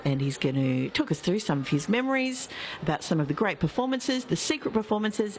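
A woman's voice: on the low side, slight background noise. Chatty Australian woman radio host. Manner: chatty, upbeat, reads quiz clues slowly. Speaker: radio presenter. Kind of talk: live local radio hosting. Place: live outdoor broadcast at a show.

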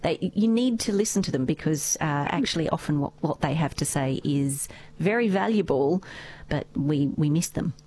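A woman's voice: sits low, expressive, normal speed, mellow. A woman with an Australian accent hosting a radio show, chatting in a friendly, teasing way. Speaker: radio host. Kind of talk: casual radio chat. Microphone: studio microphone.

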